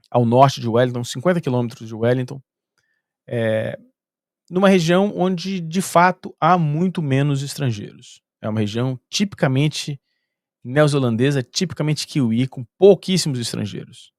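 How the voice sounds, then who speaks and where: A man's voice: medium pitch, no echo, studio quality. A middle-aged Brazilian man with a Brazilian Portuguese accent, a university professor telling a story in a casual, chatty way and often tagging on "né". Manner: chatty, with a frequent "né".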